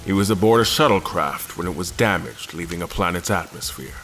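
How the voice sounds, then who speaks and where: A low male voice plays a world-weary admiral in an audio drama. He recounts a haunting ordeal with formal, measured courtesy over faint music. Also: animated, fairly bright tone. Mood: somber. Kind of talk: first-person audio drama narration with dialogue.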